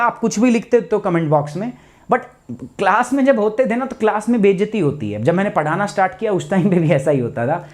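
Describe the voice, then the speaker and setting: A man, a teacher telling a personal story to students in a live online class, chatty and anecdotal. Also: high voice.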